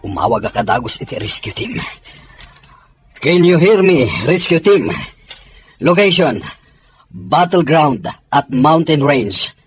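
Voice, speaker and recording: A man's voice: fairly high pitch, expressive, takes it slowly, long pauses, a little hiss or hum. A man playing a commanding army officer in a radio drama, speaking with a Filipino accent. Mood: urgent, commanding.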